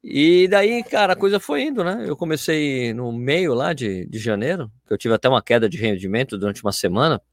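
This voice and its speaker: Fast-talking man, dry sound. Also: medium pitch, no echo. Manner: animated, talks in loose run-on phrases with many fillers. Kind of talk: casual chat.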